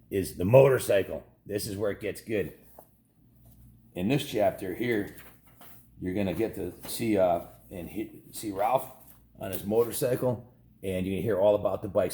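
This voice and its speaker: A man's voice: lowish voice, mellow, echoey room, a little hiss or hum. A man reading a children's story aloud in an informal, homespun way, stumbling and correcting himself with casual asides.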